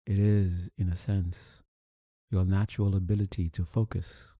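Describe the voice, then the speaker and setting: Soothing guy doing guided meditation, really slow and calm, close dry sound, lots of pauses. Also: low voice, no echo. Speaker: meditation teacher.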